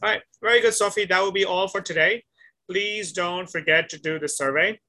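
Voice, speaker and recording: A male English tutor with a very bright, sharp and fairly high voice, patiently walking a student through simple questions over a video call. He repeats and gently corrects her answers, praising her along the way. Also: a little fast. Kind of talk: one-on-one online conversation lesson.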